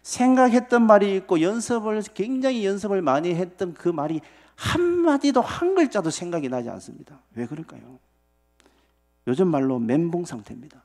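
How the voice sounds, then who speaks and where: A man's voice: high-pitched, expressive, fairly quick, darkish tone. A male pastor giving a sermon in church, telling a story with many rhetorical questions to the congregation. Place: church sanctuary.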